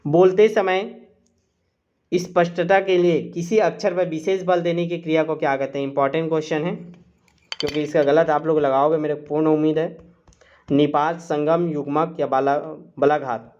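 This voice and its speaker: A man's voice: a little high, level tone, normal speed, darkish tone, dull audio. A man teaching a live online exam-prep quiz class, reading out questions and options and coaxing students with "theek hai". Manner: coaxing, repeats "chaliega" and "theek hai", reads options aloud.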